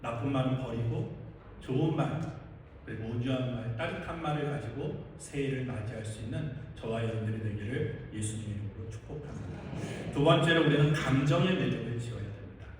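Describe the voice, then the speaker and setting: Speaking fairly quickly at a medium pitch, a male pastor delivers a sermon to his congregation, frequently asking them questions that he answers on his own. He is in a large church sanctuary, and the distant mic picks up hall echo and faint noise.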